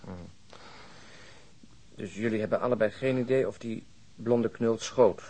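A man's voice: lowish voice, unhurried, warm tone, breathy edge. An actor playing a blunt, short-tempered male police investigator in a radio drama. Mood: probing. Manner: questioning, emphatic, easily exasperated.

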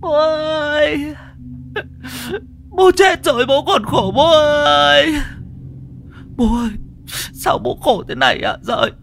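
A man's voice: extremely high pitch, sing-song, slow pace, gravelly, pauses often, fairly bright tone, faint music behind, voice pushed up, heavily acted. A man voicing a grieving village woman who wails and cries out for her dead father, in a horror story. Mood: wailing grief. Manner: wailing, crying, calling out.

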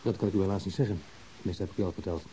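A man playing a calm, matter-of-fact pathologist explaining findings in a Dutch radio drama. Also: low-pitched, rapid-fire, natural voice, poor audio. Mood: factual. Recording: hissy old radio drama recording.

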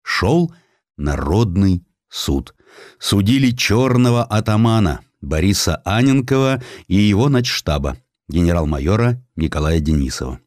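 A low-voiced man delivers dramatic scripted narration. His intonation moves widely, with weighty pauses for effect. The sound is dry and close. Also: very animated, darkish tone, no room sound. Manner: theatrical, measured with weighty pauses. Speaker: narrator, audiobook performer.

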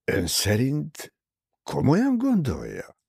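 A man's voice: medium pitch, wildly swooping pitch, creaky, a little mellow, slightly rough, dry recording, studio quality, pitched above the performer's own voice, heavily acted. A male reader voicing a hot-headed young man in an audiobook, speaking in indignant outbursts.

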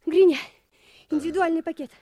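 A woman's voice: extremely high pitch, a little fast, mellow, a little hiss or hum. A woman playing a fearless, devoted young girl in a wartime audio drama. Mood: worried, commanding.

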